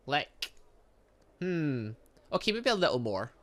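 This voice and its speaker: A man's voice: fairly high pitch, slow. A man hosting a gaming video, reading visual novel dialogue aloud with casual asides, stumbling over words and correcting himself. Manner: animated, exclaims and reacts playfully.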